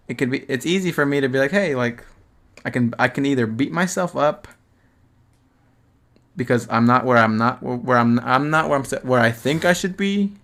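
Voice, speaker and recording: Gravelly young man musing casually. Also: medium pitch, a bit bright. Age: 20s. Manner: rambling, slangy, swears, many restarts. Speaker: podcast host. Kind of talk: casual reflective solo monologue.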